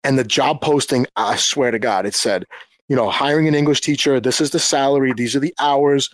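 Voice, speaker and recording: A man from New York, a guest in a casual group chat, talking in a halting way as he searches for words and restarts often. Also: mid-range voice, dry recording. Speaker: guest, former English teacher.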